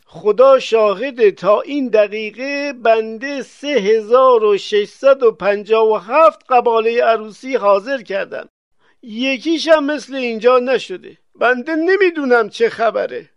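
An actor playing a fussy, pompous marriage notary in a radio play, speaking formally. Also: male voice, very high voice, clean tone, no room sound, muffled recording.

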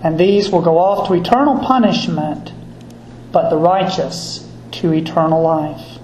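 A middle-aged man from Georgia, a Catholic priest, speaking formally and deliberately to an audience. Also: on the high side, darkish tone. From Georgia, USA. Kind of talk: solemn scripture reading and talk to an audience. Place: large reverberant indoor room. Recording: echoey church-like space, faint noise.

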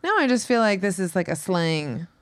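A woman's voice: on the low side, sing-song, normal speed, no room sound, clean studio sound. A woman co-hosting a casual podcast chat, playfully guessing at slang words. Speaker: podcast co-host.

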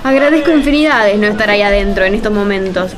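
A woman's voice: mid-range voice, expressive, quick pace, a crowd in the background, lightly acted. Radio play role: sassy, weary Argentine woman walker, voiced by an actress, teasing, mid-range voice. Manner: teasing, colloquial, wry. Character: sassy, stubborn young female pilgrim, tired but proud.

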